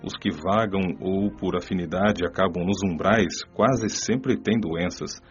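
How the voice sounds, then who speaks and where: An actor playing Maurício, a calm male spirit guide explaining things in a measured tone in a radio drama. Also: sits low, muffled recording, soft background music.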